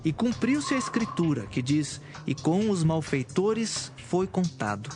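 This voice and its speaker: A man's voice: on the high side, sing-song, unhurried. A man giving a scripted narration of an audio Bible. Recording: music behind the voice.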